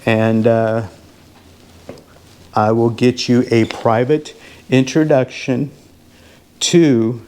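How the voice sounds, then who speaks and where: A man with a mid-range voice talks as a real estate advisor on a video home tour. His delivery is casual and salesy, addressing the viewer directly as he pitches. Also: level tone, drawn-out words, long pauses, darkish tone. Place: inside a model home.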